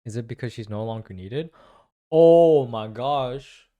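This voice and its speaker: A man's voice: mid-range voice, measured pace, phone-quality sound. A man giving casual game reaction and analysis commentary, musing aloud with lots of questions and informal slang. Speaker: reaction video host.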